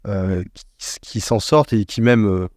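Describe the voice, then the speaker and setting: A man speaking as an expert podcast guest in a conversational interview, explaining things in a measured way as he thinks aloud. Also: on the low side, fairly even intonation, darkish tone, no echo, clean studio sound.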